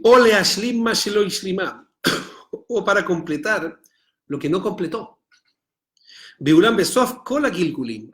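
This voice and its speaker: Chilean rabbi, middle-aged man, somewhat high voice, reads Hebrew then explains, teaching-class energy. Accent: Chilean Spanish. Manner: explains by reading Hebrew text then translating, asks students rhetorical checks. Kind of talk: online Torah class.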